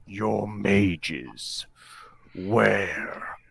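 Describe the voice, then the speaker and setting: A put-on character voice, growling and raspy. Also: man. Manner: intimidating.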